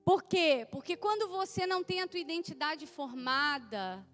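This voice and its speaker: A woman preaches a sermon in a high voice and talks straight to her listeners. She calls some of them by name and asks them to repeat her words. Soft music plays under her. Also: animated, moderate pace.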